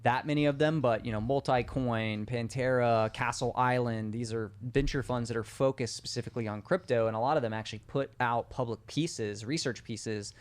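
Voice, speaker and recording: A man with a middle-range voice chats on a casual money podcast. He thinks out loud, hedges his claims and leans on fillers. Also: mid-range voice, normal speed, hardly any pauses, clear, resonant tone. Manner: thoughtful, hedging, many fillers.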